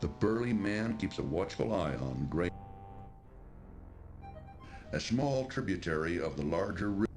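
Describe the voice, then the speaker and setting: Deep, solemn game narrator. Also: male voice, lively intonation, measured pace, pauses often, a little mellow, soft background music. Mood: solemn, watchful. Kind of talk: scripted video game narration.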